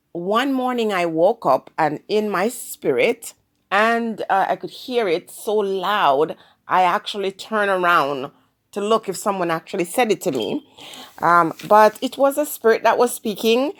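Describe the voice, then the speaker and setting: A woman with a Jamaican accent hosting her own channel, talking earnestly and in a measured way straight to her viewers. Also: medium pitch. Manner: earnest, measured, speaks of spiritual guidance. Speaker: channel host. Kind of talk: solo commentary to camera.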